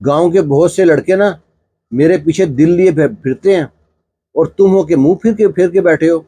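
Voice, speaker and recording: A man's voice: on the high side, mellow, breathy edge. A man voicing a bold, headstrong teenage village girl who talks bluntly and teasingly, read within a told story. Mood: brazen.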